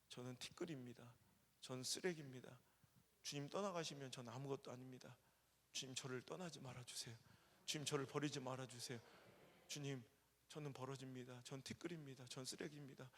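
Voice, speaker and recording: A middle-aged male revival preacher with a fairly high, gravelly voice. He preaches in an earnest, confessional way and sometimes slides into loud, joking asides. The sound carries a long church-hall reverb. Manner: earnest, confessional, bursts into loud playful banter. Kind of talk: revival sermon. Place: church sanctuary.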